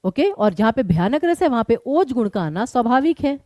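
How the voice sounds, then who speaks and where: A woman teacher leads an online exam-prep class, firing quick questions at her students and then walking through each answer. Her fairly high voice rises and falls with animation. Her tone is mellow and warm, recorded close and dry. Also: very animated, no echo. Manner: quizzes students and explains briskly.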